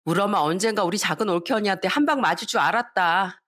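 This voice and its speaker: A woman's voice: medium pitch, fast talker, a bit bright, close to an everyday voice. A woman voicing a gleeful young sister-in-law who giggles and eggs others on. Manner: giggly, egging on.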